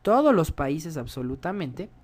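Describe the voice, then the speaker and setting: A man's voice: a little high, very animated, a little slow. A man gives a screen-recorded programming tutorial. He explains each step in a chatty way and keeps checking in with his viewers. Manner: chatty, explains step by step, often asks "¿sale?".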